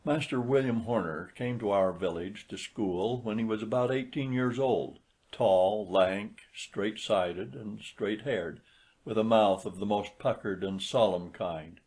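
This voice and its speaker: A man's voice: fairly low pitch, unhurried, darkish tone. A man reading literary fiction aloud as scripted audiobook narration. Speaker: audiobook reader.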